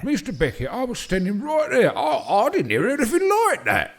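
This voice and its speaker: An actor playing an eager, kindly, deferential servant in an audio drama, with a folksy, stammering, pleading manner. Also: male voice, extremely high pitch, wildly swooping pitch, moderate pace, heavily acted. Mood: flustered protest. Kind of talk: audio drama character acting.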